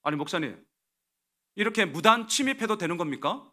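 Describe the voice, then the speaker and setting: A man's voice: fairly high pitch, very animated, a little fast, a bit bright. A man voicing an angry building owner who scolds a pastor in an indignant, accusing way.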